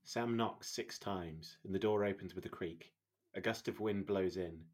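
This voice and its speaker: A man's voice: low-pitched, normal speed, a little mellow. A man reading stage directions as scripted narration at an audio drama table read.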